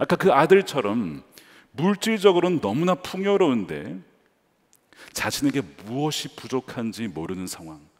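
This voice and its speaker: Speaking at a fairly slow pace over a quiet background, a man lets his pitch swing very widely. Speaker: pastor. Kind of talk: sermon. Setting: church. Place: church. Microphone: headset.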